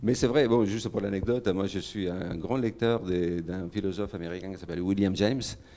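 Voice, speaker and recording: A man with a Catalan accent, fairly low-pitched, at a fairly quick pace with hardly any pauses and ordinary pitch variation, over noticeable background noise. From Catalonia. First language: Catalan (speaking French). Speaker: psychologist and writer. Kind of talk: public talk. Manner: halting, many repetitions.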